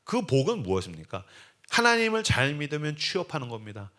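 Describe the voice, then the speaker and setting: Guy preaching at a revival, bright forceful voice, super lively up-and-down delivery, acts stuff out. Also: a little high, brisk. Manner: animated storytelling, acts out scenes. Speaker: guest preacher at a revival meeting. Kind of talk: sermon.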